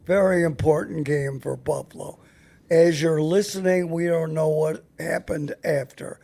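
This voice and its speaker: An older American man hosts a casual chat show. His voice is notably high for a man, and he talks at a slow, unhurried pace. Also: fairly even intonation, vocal fry, warm tone. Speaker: talk show host.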